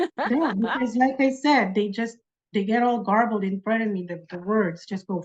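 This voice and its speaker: With a non-native accent, a woman speaks at a moderate pace in a somewhat breathy, fairly high voice with ordinary pitch variation. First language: not English. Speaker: exam passer sharing study tips. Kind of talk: testimony. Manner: animated.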